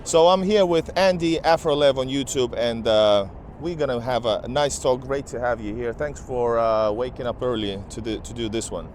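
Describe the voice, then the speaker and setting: A man hosting a casual travel vlog interview outdoors in a city park, chatty and upbeat with filler pauses. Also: medium pitch, darkish tone, a little hiss or hum. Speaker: host, travel vlogger.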